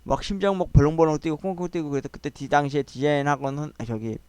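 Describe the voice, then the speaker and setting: A man hosting his own channel, telling a family quarrel story in a casual, agitated way and acting out the shouting. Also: on the high side, quick pace, smooth, dry recording. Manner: agitated, animated retelling, quoting people in raised voices.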